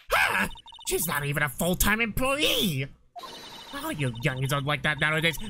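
A put-on character voice at a middle pitch and moderate pace. Long pauses come often. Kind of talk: comic overacting. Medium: game stream. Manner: scolding, then coy and doting.

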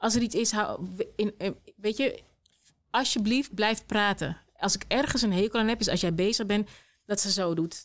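Against a quiet background, a woman with a fairly high pitch speaks at a moderate pace with ordinary pitch variation, very even loudness and long, frequent pauses. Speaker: podcast host. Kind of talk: conversational interview. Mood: earnest, personal. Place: studio. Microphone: studio mic.

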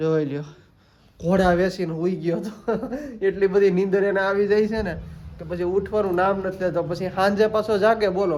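A man speaks with a high pitch, noticeable background noise around him. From Gujarat, Amreli district. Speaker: vlogger. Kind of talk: casual vlog chat. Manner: animated.

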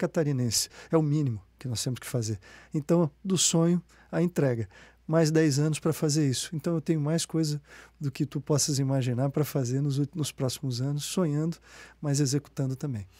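A man with a dark, mellow tone and a fairly high pitch speaks at a moderate pace over a quiet background, the sound dry with no echo. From Blumenau, Santa Catarina, Brazil; Santa Catarina, Brazil. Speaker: politician. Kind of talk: interview. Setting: radio studio. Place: studio. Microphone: studio mic.

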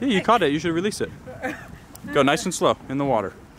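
A man's voice, dry with no echo, over noticeable background noise. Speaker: fishing vlogger filming his wife. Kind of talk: casual vlog chat. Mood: encouraging, upbeat. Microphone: phone near.

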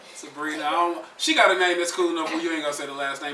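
Fairly even intonation amid audible room echo and light background noise. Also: man. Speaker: podcast host. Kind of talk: casual podcast banter. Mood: joking, laughing. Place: home room.

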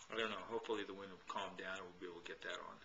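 Faint background noise is present. Over it, a man talks. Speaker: home vlogger. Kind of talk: casual vlog chat. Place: home room. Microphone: webcam.

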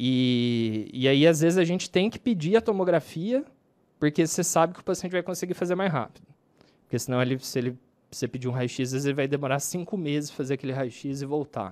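With lively intonation, a man delivers his words fairly quickly. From Brazil, Ribeirão Preto (São Paulo state). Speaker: oncologist. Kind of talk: presentation at public hearing. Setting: legislative assembly hearing. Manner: halting with many fillers. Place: hall. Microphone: podium.

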